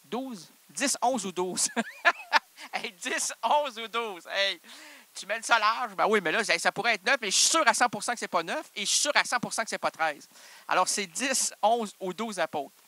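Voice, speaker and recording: A man's voice: sits high, animated, moderate pace, sharp tone, rough recording. A man with a Québécois French accent hosting a radio show, rambling playfully through an improvised comic monologue and bantering with himself.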